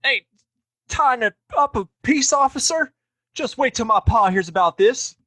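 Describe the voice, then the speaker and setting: Man playing a cocky, sharp-voiced young Western lawman. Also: very high-pitched, expressive, unhurried, no room sound, exaggerated voice. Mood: defiant. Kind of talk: audio play Western acting.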